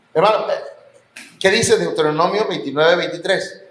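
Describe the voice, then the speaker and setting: In a church hall with plenty of echo, a man with a Mexican Spanish accent delivers a sermon as pastor. His voice sits high with a fairly bright tone, and he adds rising emphasis and an occasional joke.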